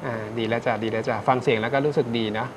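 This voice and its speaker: A man's voice: medium pitch, fairly even intonation, very fast, noisy background. A man hosting a live call-in astrology show, reassuring callers and repeating his key points. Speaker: astrologer host. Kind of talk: live call-in fortune reading.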